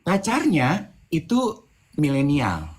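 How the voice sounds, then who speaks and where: Guy cohosting a chat show, tells stories super animated, voice jumps all over. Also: a little high, takes it slowly. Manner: animated storytelling, acting out quoted voices; mixes English phrases into his talk. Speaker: co-host. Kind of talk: casual chat.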